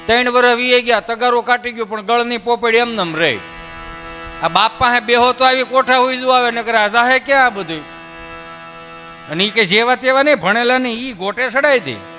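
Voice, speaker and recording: A man's voice: very high voice, moderate pace, bright, forceful tone, big-room sound, soft background music. A man, telling folk comedy stories on stage and acting out village characters in changing voices. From Gujarat, India.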